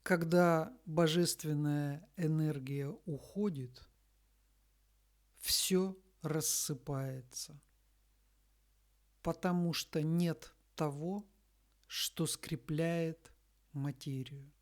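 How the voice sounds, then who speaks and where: Slow, solemn woman reading aloud. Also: low-pitched, steady tone, darkish tone. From Russia. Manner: solemn, deliberate, with long pauses between short phrases. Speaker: spiritual messenger reading a message. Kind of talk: solemn scripted spiritual reading.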